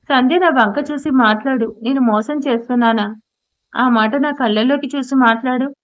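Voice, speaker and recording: A woman's voice: sits high, normal speed, lightly acted. A woman voicing an anguished young husband who pleads and then demands answers. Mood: pleading. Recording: dull lo-fi audio.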